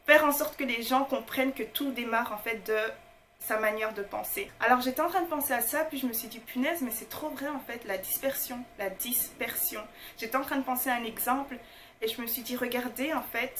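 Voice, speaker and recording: A woman's voice: a little high, fairly bright tone, a little hiss or hum. A woman speaking in casual, motivational talk to her viewers, emphatic and informal, repeating her key phrases. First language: not French. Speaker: motivational online host.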